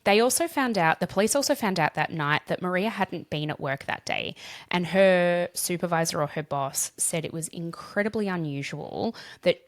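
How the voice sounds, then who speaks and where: An Australian woman with a low voice recounts a case on a true-crime podcast, chatty and curious. The sound is close and dry, with no room around it. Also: normal speed, no echo. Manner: chatty and questioning, storytelling in a relaxed way. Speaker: podcast co-host. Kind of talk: casual true-crime chat.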